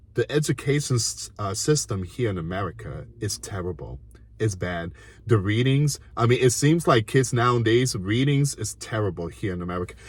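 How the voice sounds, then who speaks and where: Very clean recording, silent background. There is a somewhat breathy quality to the voice. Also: man. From Puerto Rico. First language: Spanish. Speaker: news commentator. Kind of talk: casual news commentary. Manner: repetitive, halting.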